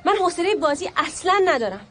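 A very high-voiced angry woman. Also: very animated, a faint crowd, exaggerated voice. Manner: cold, then sharp and scolding. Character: grieving woman, fed up and furious. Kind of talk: film dialogue. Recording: film audio with clear outdoor noise.

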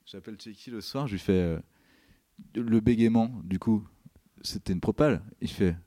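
This is a casual interview chat with a podcast guest, a film director from Brittany who acts out the characters in his anecdotes. His pitch is on the low side and he speaks at a normal speed. There's no room sound.

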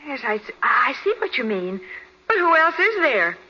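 A woman's voice: high-pitched, sing-song, moderate pace, pushed and bright, husky, heavily acted. A woman playing a self-assured, teasing detective's assistant in a 1940s radio crime drama. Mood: inquiring. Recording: muffled, noisy vintage radio recording.

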